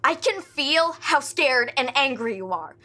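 A woman playing an intense, accusing young crew member in a sci-fi audio drama, confrontational and forceful. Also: high voice, expressive, measured pace, full character voice. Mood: accusing, alarmed. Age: young adult.

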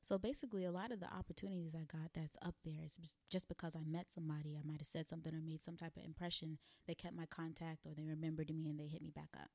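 Candid young woman with a gravelly low voice. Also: fast talker, few pauses, no room sound. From American South. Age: 20s. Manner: relaxed, candid, lots of "like" fillers. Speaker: guest blogger and content creator. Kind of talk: casual chat.

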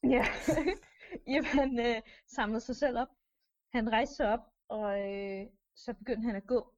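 A woman's voice: on the high side, steady tone, darkish tone, dull audio. A woman improvising a story in a rambling, hesitant way, with lots of fillers.

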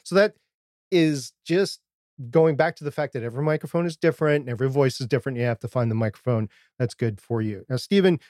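A man with a quiet, slightly muddled voice co-hosting a podcast in casual conversation. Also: medium pitch, fast talker, no room sound, studio quality. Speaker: podcast co-host. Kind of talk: casual chat about audio gear.

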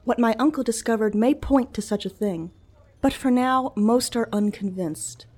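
A man's voice: very high-pitched, moderate pace, a little mellow, pitched above the performer's own voice. A man voicing a young noblewoman, formal, earnest and worried.

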